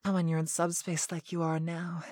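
This clip features a woman performing a hypnotic script as a commanding mistress, balancing sweetness with sternness and using deliberate phrasing plus occasional breathy whispers. Her pitch is fairly low and barely moves, her tone leans dark, and the recording is dry.

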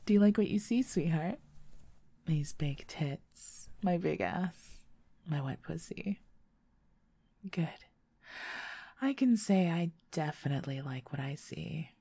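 Slow, husky, whispering woman. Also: deep voice, animated, no room sound. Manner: soft, coaxing, often whispering. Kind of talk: intimate audio roleplay.

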